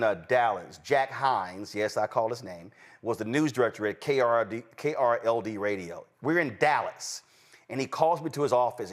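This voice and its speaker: A man with a Texan accent hosting political commentary, emphatic, jumping between high exclamations and low asides. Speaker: host.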